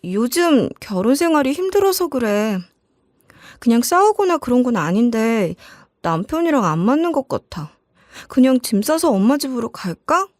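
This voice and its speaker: A woman's voice: a little high, sing-song, moderate pace, darkish tone, no room sound, clean studio sound. A woman narrator voicing a blunt, aggrieved grown daughter complaining emotionally in a told story. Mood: weary, hesitant.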